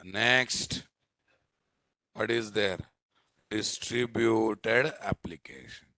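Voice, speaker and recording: A man's voice: on the low side, very slow, pushed and bright, no echo, rough recording. A man with a Telugu Indian accent teaching a live programming class, speaking emphatically, repeating phrases and often quizzing his listeners with short tag questions. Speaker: software instructor.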